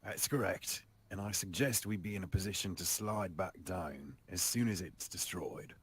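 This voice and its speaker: A man's voice: sits low, normal speed, a bit bright, breathy edge. A man playing in a tabletop game, speaking formally and theatrically as he narrates his character.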